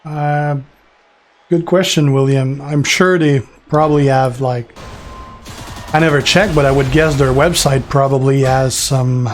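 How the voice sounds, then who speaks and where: Relaxed French-accented man chatting. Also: mid-range voice, a little slow, faint music behind. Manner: relaxed, rambling, answers chat by name, fillers. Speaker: gaming streamer. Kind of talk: casual live-stream chat.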